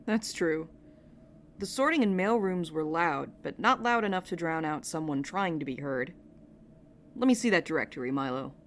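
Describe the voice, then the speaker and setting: A woman acting in an audio drama as a steady, protective, wryly skeptical woman with a dry, matter-of-fact manner. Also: low voice, normal speed, slight background noise.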